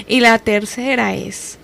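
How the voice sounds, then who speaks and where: A woman's voice: on the high side, gravelly, fairly bright tone. A young woman with a Dominican accent giving a personal faith testimony as a radio guest, telling her story earnestly and acting out the dialogue she quotes.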